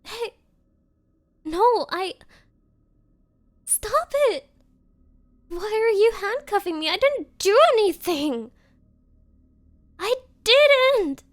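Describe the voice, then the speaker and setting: A woman's voice: very high voice, no room sound, exaggerated voice. A woman playing an obsessive, clingy yandere on a date in an ASMR roleplay, stammering and pleading with nervous giggles. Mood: panicked, pleading.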